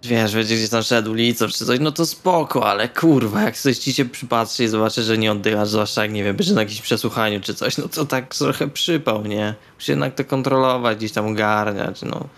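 A man's voice: lowish voice, a little fast, few pauses, a bit bright. A man playing in a tabletop role-playing game, talking casually in a blunt, colloquial, sweary way. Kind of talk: casual in-character talk.

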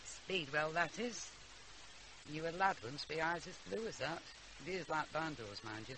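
A woman's voice: low voice, moderate pace, noisy background, lightly acted. An actress playing a blunt, teasing old grandmother in a radio drama. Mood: dry, blunt. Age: older.

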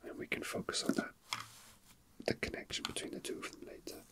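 Close to the mic, a toy unboxing video host keeps up a gentle, breathy ASMR whisper. They murmur casually to themselves at an unhurried pace.

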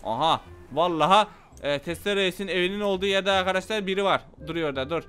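A man giving loud, playful gameplay commentary, shouting at the game's characters as he plays. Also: high-pitched, quick pace, smooth, faint music behind. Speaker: gaming channel host.

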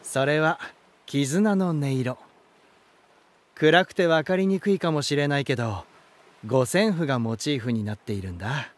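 An unhurried, genial lighthouse spirit. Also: male voice, a little high, animated. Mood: explanatory. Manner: smooth-mannered, theatrical, unhurried storytelling. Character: genial, elegant, century-old lighthouse spirit in male form. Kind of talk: Japanese voice drama acting.

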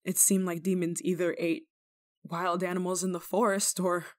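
A woman playing a stern but kind-hearted village nun in a dramatic roleplay monologue, scolding and teasing with theatrical pauses. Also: lowish voice, level tone, lightly acted. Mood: softening, matter-of-fact.

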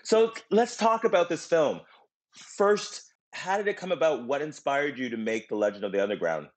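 A man's voice: a little high, expressive, normal speed. A man in his thirties introducing and moderating a panel discussion over a video call. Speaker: moderator, executive director. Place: indoor room on a video call. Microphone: video call with earbuds.

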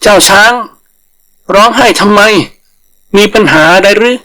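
Male storyteller as clever little rabbit, high voice, inquisitive, helpful, confident, folktale. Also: fairly even intonation, unhurried, bright, forceful tone. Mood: curious.

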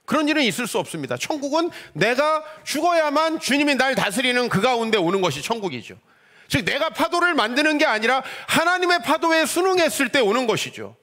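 A middle-aged man preaching a Sunday sermon as pastor, animated and full of rhetorical questions, acting out the voices he quotes. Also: very high-pitched, a little fast.

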